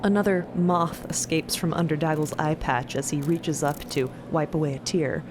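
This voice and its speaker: A woman narrates a fiction podcast, picking out each detail deliberately. Her voice is on the low side, set over noticeable ambient noise. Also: fairly even intonation. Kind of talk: improvised story narration.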